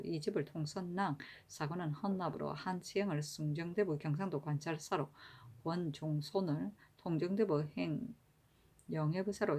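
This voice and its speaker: Woman, deep low voice, formal annals reading, steady even pace. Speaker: reader of historical records. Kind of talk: reading historical annals aloud.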